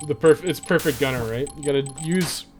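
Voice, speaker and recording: A man's voice: a little high, brisk, music in the background. A man chatting casually as he streams a game, rambling and swearing freely as he goes. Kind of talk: casual livestream chat while playing.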